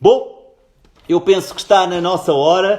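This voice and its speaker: The speaker is a man. He talks with a European Portuguese accent. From Portugal. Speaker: airline HR executive, webinar speaker. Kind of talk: live webinar Q&A. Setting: live online stream.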